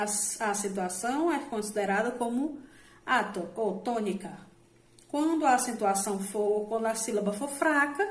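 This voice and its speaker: A woman's voice: fairly high pitch, roomy sound. A woman teacher giving a recorded online lesson, explaining step by step with frequent "né?" check-ins and self-corrections, drawing out example words. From Brazil.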